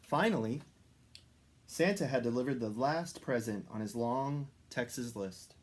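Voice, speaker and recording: A man reading a children's story aloud expressively, with dramatic pauses and stressed descriptive words. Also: mid-range voice, animated. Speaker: story reader.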